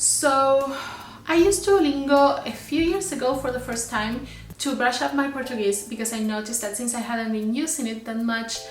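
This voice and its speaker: With audible room echo, a woman in a Spanish accent speaks at a moderate pace and high pitch with ordinary pitch variation. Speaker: language teacher, YouTuber. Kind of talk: video review and tutorial. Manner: casual, conversational.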